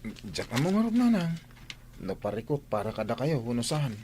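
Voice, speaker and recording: A dutiful young son in a radio drama, played by a male actor, speaks hesitantly and sounds troubled. His pitch is average, over faint background noise. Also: sing-song, normal speed, a little mellow, close to an everyday voice. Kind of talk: Ilocano radio drama acting.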